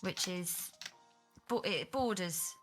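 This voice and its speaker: A woman's voice: fairly low pitch, slow, faint music behind. A woman from Kent with an Estuary English accent, chatting casually as a guest streamer in a chilled, self-deprecating way. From Kent, England. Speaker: guest, video game streamer. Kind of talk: casual chat interview.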